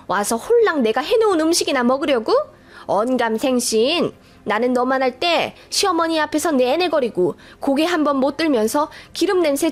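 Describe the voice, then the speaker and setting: A woman voicing a harsh, scornful older mother-in-law who scolds sharply. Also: high-pitched.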